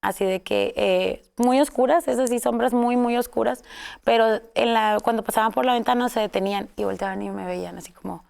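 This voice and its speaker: A woman's voice: on the high side, a little fast, creaky, darkish tone, clean tone. A woman with a Mexican accent, telling her own story in a casual interview, rambling with many fillers and self-corrections. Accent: Mexican Spanish.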